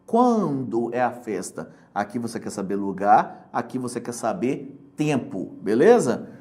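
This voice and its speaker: A teacher with a Brazilian Portuguese accent giving a casual online lesson, chatty and joking, explaining slowly with examples. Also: mid-range voice, big pitch swings, a little mellow. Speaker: English teacher for exam prep.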